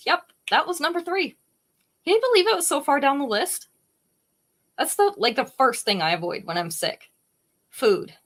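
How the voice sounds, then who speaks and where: A woman's voice: a little high, fairly bright tone, husky. Chatty woman hosting a live jewelry sale. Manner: chatty, greets viewers by name. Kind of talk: casual live-stream sales chat.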